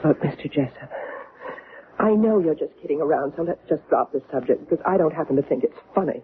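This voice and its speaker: A woman's voice: low voice, expressive, fairly quick, a little hiss or hum. An actress playing a poised, well-spoken woman in her thirties in a radio drama, with a wary edge. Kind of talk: 1970s radio drama acting. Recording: narrow tinny old radio broadcast.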